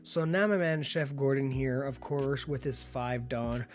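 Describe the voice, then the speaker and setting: Hoarse man calling a card game match. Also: mid-range voice, unhurried, soft background music. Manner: upbeat, laid-back, laughs often. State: hoarse from being sick. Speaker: card game commentator and channel host. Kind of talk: casual play-by-play commentary.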